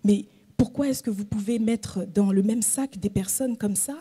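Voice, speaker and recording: A woman pastor preaching a sermon, telling a personal story in a gentle way, often dropping to a whisper. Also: medium pitch, moderate pace, slightly rough.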